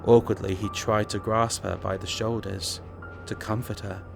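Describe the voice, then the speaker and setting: A man's voice: fairly low pitch, little pitch movement, normal speed, gravelly, music in the background. A man reading a dramatic audiobook as narrator, in scripted storytelling style.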